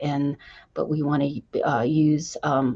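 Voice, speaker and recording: Against a quiet background, a woman speaks. Her intonation is fairly even. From New Mexico. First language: not English. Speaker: college staff member, session participant. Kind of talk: online workshop discussion. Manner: halting, many fillers.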